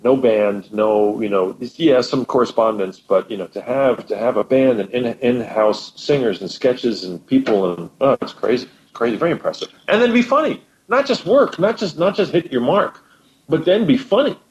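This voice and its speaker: A man's voice: medium pitch, lively intonation, normal speed, a little mellow, lo-fi sound. A man who is a guest musician on a podcast, chatting casually and emphatically, often repeating words for stress. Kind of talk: casual conversational chat.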